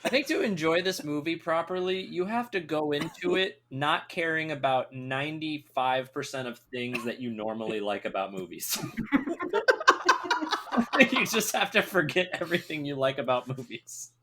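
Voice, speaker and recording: A man's voice: on the high side, moderate pace, very noisy. A man co-hosting a podcast, chatting casually and ranting with mocking asides. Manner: animated, mocking, puts on voices in quotes. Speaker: podcast co-host. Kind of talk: casual chat.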